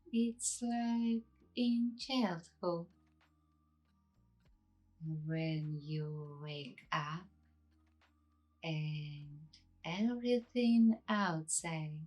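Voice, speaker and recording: Female ASMR meditation guide, slightly low register, extremely slow and hushed delivery with long pauses, soft music behind. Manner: hushed, unhurried, with long pauses between short phrases.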